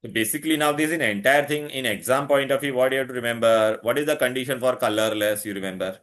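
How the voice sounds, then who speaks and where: A man with a South Asian accent tutors at a very brisk pace. He mixes English with Hindi, repeats key points and keeps firing short questions to check understanding. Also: mid-range voice, a bit bright. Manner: repetitive, quizzing, checking with questions. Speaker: chemistry tutor. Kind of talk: interactive one-on-one lesson, mixing English and Hindi.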